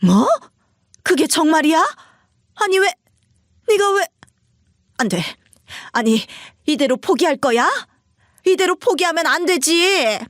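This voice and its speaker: Lady putting on a shrill bossy old mother-in-law, high and scolding, dry sound. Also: animated, normal speed, a bit bright, dry recording. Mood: shrill dismay. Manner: scolding, indignant, wailing. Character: pushy, shrill older mother-in-law, woman.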